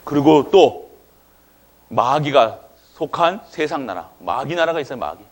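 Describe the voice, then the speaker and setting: Man, pastor, church sermon, call-and-response questions, middle-pitched voice. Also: big pitch swings, unhurried.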